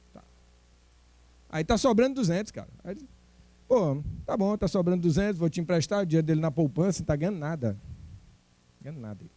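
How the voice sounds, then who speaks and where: This man speaks at a fairly quick pace, his pitch high and his intonation lively, with a dark, mellow tone. His loudness swings widely, and he leaves long, frequent pauses. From Brazil, Ceará (Fortaleza). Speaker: accounting lecturer. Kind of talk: lecture. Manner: animated.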